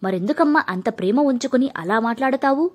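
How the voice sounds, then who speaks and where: A woman voicing an earnest, injured young married man who pleads gently but firmly. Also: a little high, lively intonation, fairly quick. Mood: pleading, firm. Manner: pleading, firm.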